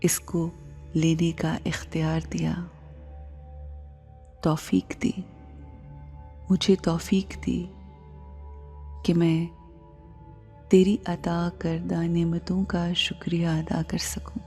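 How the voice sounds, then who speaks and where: A woman with a South Asian accent leads a guided meditation in a measured, hushed way, phrases trailing into a breathy near-whisper. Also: lowish voice, little pitch movement. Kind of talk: slow, soft Islamic guided meditation. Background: music bed.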